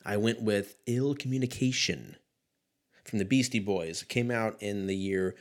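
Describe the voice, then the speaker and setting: Male sports talk host, 30s, fairly low pitch, loose and conversational, unpolished solo delivery with salty language. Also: moderate pace. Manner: laid-back, rambling, profane. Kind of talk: casual solo commentary.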